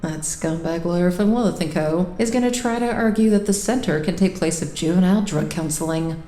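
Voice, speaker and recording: A woman's voice: lowish voice, brisk, dark tone, roomy sound, close to an everyday voice. A woman acting in an audio drama as a guarded, sarcastic, stubborn woman with a dry, weary, curt delivery. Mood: resigned, frustrated.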